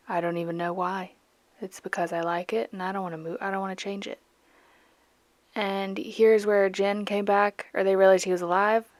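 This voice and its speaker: A woman's voice: mid-range voice, no echo. A young woman, chatting casually and dramatically in a voice-over while she paints. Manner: chatty, dramatic, self-mocking, bursts of laughter. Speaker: art vlogger.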